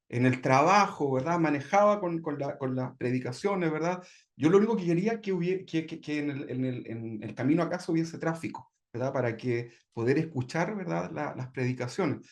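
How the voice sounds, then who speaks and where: A man from Chile sharing his personal testimony in a conversational way, often checking in with tag questions. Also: on the high side. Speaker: church member giving testimony.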